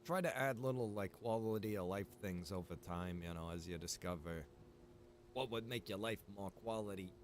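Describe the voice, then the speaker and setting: A man giving casual live gaming commentary as a streamer, rambling and thinking out loud. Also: fairly low pitch, moderate pace, a little hiss or hum. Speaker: game streamer.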